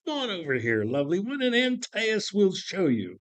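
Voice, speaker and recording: Man playing a leering villain, animated pitch. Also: normal speed, exaggerated voice. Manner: leering, coaxing. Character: swaggering male villain luring a pretty girl. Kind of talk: dramatic play reading.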